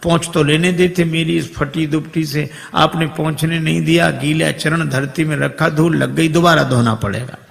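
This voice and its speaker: A man's voice: fairly high pitch, fairly even intonation, normal speed, vocal fry, hardly any pauses. A man voicing a cheeky, humble boatman devotee who sings his verses. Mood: playful. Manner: playful, loud, sings verses. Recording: long hall reverb.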